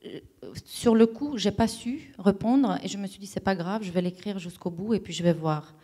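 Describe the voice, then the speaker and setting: A woman answering interview questions, her voice mellow and warm. She talks thoughtfully and searches for the right words, often restarting her sentences. Her pitch sits in an ordinary middle range. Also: normal speed. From Romania. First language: Romanian. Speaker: playwright and director, guest.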